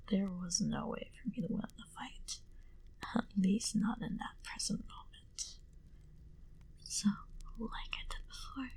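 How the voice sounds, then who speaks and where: A woman voicing a proud, menacing vampire in a whispered ASMR roleplay, speaking deliberately and condescendingly into a close binaural mic. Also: mid-range voice, rough recording. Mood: quietly proud. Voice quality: breathy, hushed whisper. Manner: slow, deliberate, coolly condescending to the listener. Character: proud, menacing female vampire recounting her past. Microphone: close binaural microphone.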